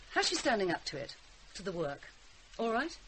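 Actress as anxious prim mother, lively pitch. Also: moderate pace, noisy background, close to an everyday voice. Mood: strained, probing. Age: middle-aged. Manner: brittle, polite, hesitant. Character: anxious, prim middle-aged mother, ex-schoolteacher manner. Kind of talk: radio drama acting.

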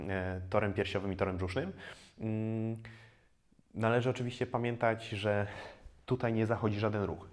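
Calm low-voiced man explaining exercises. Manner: calm explanatory, frequent hesitation fillers. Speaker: fitness trainer. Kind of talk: instructional exercise video. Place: bare indoor studio room.

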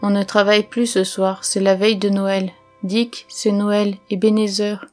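A jovial, bossy old merchant calling his apprentices to work, put on by a woman reading a storybook. The calls come louder and a touch higher than the surrounding narration. Soft instrumental music sits faintly underneath. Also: flat delivery, a little slow, natural voice. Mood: jolly.

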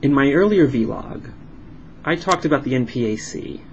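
A man voicing a signed vlog as an interpreter, explaining in halting phrases with uneven pauses. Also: medium pitch, lively intonation, darkish tone. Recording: dull lo-fi sound with clear background noise.

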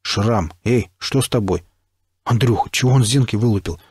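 A man's voice: lowish voice, normal speed, darkish tone, husky, no room sound, studio quality. A man voicing a startled young male companion who asks alarmed questions.

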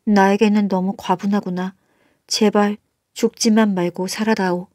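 A woman's voice: mid-range voice, level tone, normal speed, a little mellow, dry recording, clean studio sound, close to an everyday voice. A woman voicing a lonely, fretful middle-aged male magistrate in a storybook, brooding and earnest. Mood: anxious. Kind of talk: storybook narration.

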